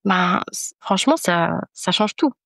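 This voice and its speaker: A woman's voice: fairly low pitch, lively intonation, measured pace, vocal fry, a bit bright, no echo, clean studio sound. A woman speaking as a podcast guest in casual conversation, giving an earnest, emphatic personal testimony and repeating phrases for emphasis.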